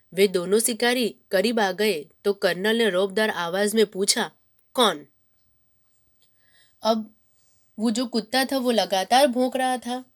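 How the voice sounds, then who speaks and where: A woman teacher reads a textbook story aloud, then repeats and paraphrases each sentence for students. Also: a little high. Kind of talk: reading and explaining a textbook story.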